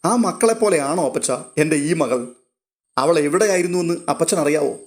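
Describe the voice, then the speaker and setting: A man's voice: fairly high pitch, expressive, moderate pace, close to an everyday voice. A man voicing a drunk, lonely middle-aged father who boasts and gets emotional about his newfound daughter, in a read-aloud story. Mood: boastful.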